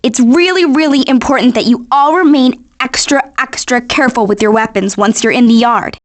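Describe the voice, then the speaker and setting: A woman acting as a sassy American teenage girl, a cartoon animal in a video game. The voice is fairly high, with a casual know-it-all delivery. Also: moderate pace, no echo, close to an everyday voice. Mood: urgent.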